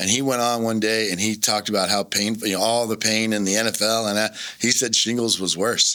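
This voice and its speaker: A man's fairly low voice at a very fast pace, with hardly any pauses, very even loudness and monotone, flat intonation. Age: 60s. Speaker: mob family relative, guest. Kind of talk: casual chat.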